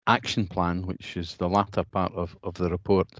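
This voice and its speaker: Guy chairing a video call meeting, real low voice, kinda muffled dull sound. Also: flat delivery, normal speed, dry recording. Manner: hesitant, many fillers and restarts.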